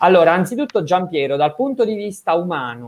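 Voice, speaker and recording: A high-pitched man at a moderate pace, with very wide pitch swings. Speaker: event moderator. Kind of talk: book presentation.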